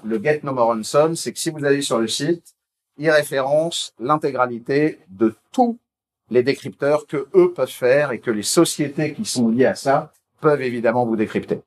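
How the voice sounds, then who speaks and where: At a technical conference, a man presents in a loose, informal, chatty way, rambling and halting with lots of restarts, fillers and repeated words. His voice is animated and sits at an ordinary middle pitch.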